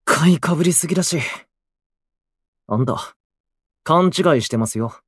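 An actor playing a gloomy, prickly, self-deprecating young station worker in a voice drama, with blunt, grumbling delivery. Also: male voice, a little high, animated, normal speed, breathy edge, no room sound, clean studio sound. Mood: defiant. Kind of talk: Japanese voice drama acting.

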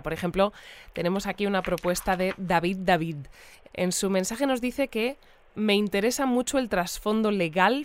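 An actress playing a courteous, measured female radio interviewer who reads out listeners' messages in a conversational audio drama. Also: medium pitch, smooth, dry recording, natural voice. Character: polite female radio interviewer in a futuristic community.

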